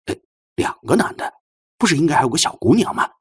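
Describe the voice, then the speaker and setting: A man's voice: fairly high pitch, very animated, fast, husky, voice pushed up, full character voice. A man voicing a brash, impatient male investigator in an audiobook, curt and bossy. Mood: puzzled.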